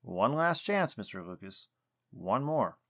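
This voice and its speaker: A man's voice: on the low side, big pitch swings, a little slow. A man voicing a polite, awkward but firm male investigator in an audiobook, courteous and businesslike. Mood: stern, doubtful. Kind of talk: audiobook character dialogue.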